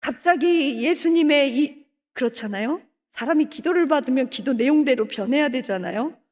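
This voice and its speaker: A woman preacher delivering an animated revival sermon, acting out the voices of people she quotes. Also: high voice, normal speed. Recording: reverberant hall.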